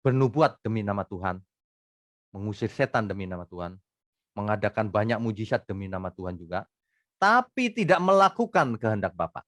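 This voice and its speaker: A middle-aged man preaching an expository sermon as pastor, emphatic, rising to loud bursts and dropping to quiet asides. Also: fairly low pitch, dry recording.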